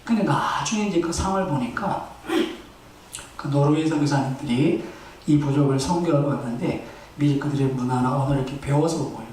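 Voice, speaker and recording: A man's voice: medium pitch, fairly quick, darkish tone, slight background noise. A male pastor delivering a Sunday sermon in a church, telling stories animatedly and exhorting the congregation. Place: church sanctuary. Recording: echoey church hall, distant mic.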